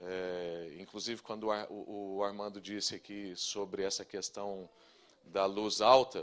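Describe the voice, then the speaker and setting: A man with a Brazilian accent speaks at a fairly slow pace in a fairly low pitch with fairly even intonation. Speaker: pastor. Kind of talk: sermon. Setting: church.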